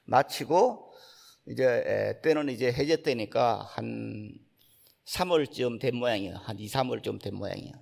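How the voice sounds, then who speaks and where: Gravelly older monk with a Gyeongsang accent. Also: male voice, mid-range voice, a little mellow. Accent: Gyeongsang Korean. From Gyeongsang province, Korea. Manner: folksy, unhurried storytelling, acting out quoted speech. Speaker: Buddhist monk giving a dharma talk. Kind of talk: sermon storytelling.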